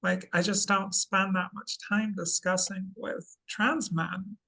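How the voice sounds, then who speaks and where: Trans woman interviewer, relatively deep voice, gravelly edges; careful, measured delivery. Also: steady tone, pushed and bright. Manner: thoughtful, measured, careful wording.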